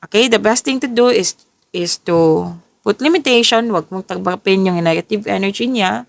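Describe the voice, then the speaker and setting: A woman's voice: mid-range voice, normal speed, vocal fry, no echo. A tired woman giving a casual tarot reading, often stopping to correct and rephrase herself. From Philippines. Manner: self-correcting, restarts and rephrases as she goes. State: tired, voice a little off. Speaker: tarot reader. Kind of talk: casual tarot reading, mixing English and Tagalog.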